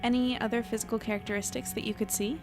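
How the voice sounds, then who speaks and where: A woman's voice: a little high, fairly even intonation, fast talker, music in the background, natural voice. Woman acting earnest, tentative female reporter. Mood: gently questioning. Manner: conversational, self-deprecating, tentative. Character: earnest, anxious female reporter narrating her investigation. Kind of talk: naturalistic audio drama acting and narration.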